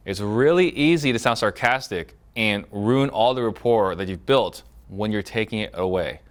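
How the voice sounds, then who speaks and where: A man leading a recorded sales training course, explaining briskly and acting out sample phone dialogues. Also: on the low side, a bit bright.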